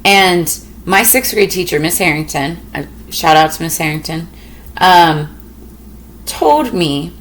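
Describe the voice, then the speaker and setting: Chatty woman in her thirties, low voice. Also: lively intonation, takes it slowly, a bit bright, slight background noise. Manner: chatty, rambling, frank. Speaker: tarot reader. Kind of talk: casual storytelling to camera.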